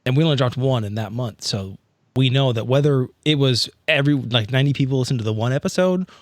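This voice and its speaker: A man chatting casually as a podcast co-host, halting and repeating words as he goes. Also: mid-range voice, no room sound, studio quality. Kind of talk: casual chat.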